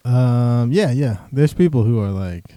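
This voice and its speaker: A man's voice: medium pitch, animated, a little slow, mellow. A man in his thirties hosting a podcast, chatting in an easygoing way. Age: 30s. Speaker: podcast host. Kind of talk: casual podcast chat.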